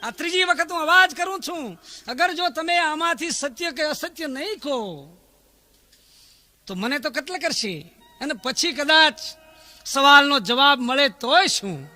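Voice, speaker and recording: A storyteller voicing a male royal herald who begs loudly for his life, his family depending on him. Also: extremely high pitch, expressive, a little slow, pitched above the performer's own voice, exaggerated voice. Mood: pleading. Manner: pleading, loud cries.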